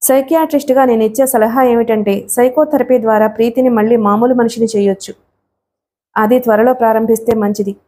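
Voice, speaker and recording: A woman reading as a measured male psychiatrist. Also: a little high, fairly even intonation, warm tone, natural voice. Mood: clinical. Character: calm male psychiatrist giving advice.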